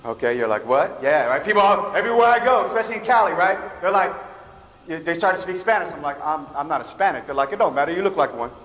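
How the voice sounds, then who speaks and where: High-voiced man in an echoing hall. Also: quick pace. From Guam. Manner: animated, acts out dialogue from his stories. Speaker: keynote speaker. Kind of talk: motivational storytelling talk to students. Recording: echoey hall with long reverb.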